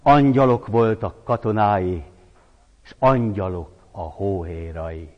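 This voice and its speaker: A man in his forties giving a measured, solemn poetry recitation. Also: fairly low pitch. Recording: dull lo-fi recording with long reverb.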